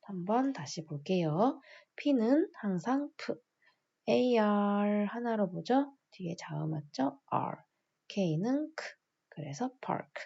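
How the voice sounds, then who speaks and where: A woman teaching English phonics step by step to adult learners. She spells out each word slowly, repeats every rule and keeps checking in with small questions. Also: mid-range voice, animated, gravelly, dark tone, slightly rough, lo-fi sound.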